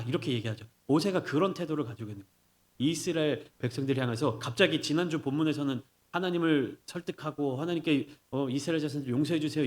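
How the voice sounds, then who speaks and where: A man preaching a sermon as pastor, explaining the passage with rhetorical questions he answers himself. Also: on the high side. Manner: acts out scolding quotes in lively bursts.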